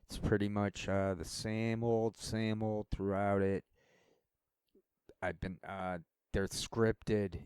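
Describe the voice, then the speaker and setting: Rambling low-voiced man, dry close sound. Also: level tone, slow, darkish tone, clear, resonant tone, no room sound. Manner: rambling, meandering talk. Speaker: vlogger. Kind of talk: casual solo monologue.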